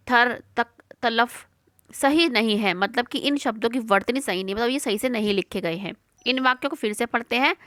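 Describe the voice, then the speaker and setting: A woman with a slightly high, bright, pushed voice patiently works through a worksheet with young children. She repeats words and poses questions, then answers them herself. There's no room sound.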